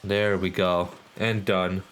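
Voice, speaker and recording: Male streamer, casual thinking-aloud commentary, lowish voice, faint game music. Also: level tone, takes it slowly, a bit bright.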